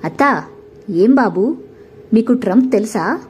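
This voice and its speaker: A woman's voice: a little high, lively intonation, a little slow, a little mellow, slight background noise. A woman doing a polite young nephew. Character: young man back from abroad, polite and cheerful.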